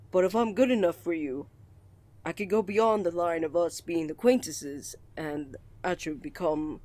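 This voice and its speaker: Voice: mid-range voice, a little mellow, no room sound, natural voice. A voice actor playing a shy, flustered male college student in love, stammering, earnest and courteous, in a romantic ASMR roleplay. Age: young adult.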